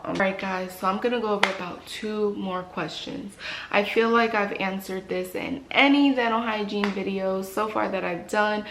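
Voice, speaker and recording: Chatty dental hygienist woman, gravelly tone. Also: mid-range voice, fairly bright tone. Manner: encouraging, chatty, repeats phrases for emphasis. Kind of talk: casual advice vlog. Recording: echoey room with faint noise.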